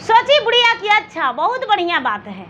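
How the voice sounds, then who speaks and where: A woman's voice: very high-pitched, big pitch swings, moderate pace, sharp tone. A woman with a Bihari accent telling a devotional folk tale in a rustic, conversational way, repeating phrases for emphasis and acting out the dialogue as she addresses her listeners. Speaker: religious folk-tale storyteller. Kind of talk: oral storytelling with acted dialogue, addressing a devotional gathering. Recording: dull lo-fi with faint background noise.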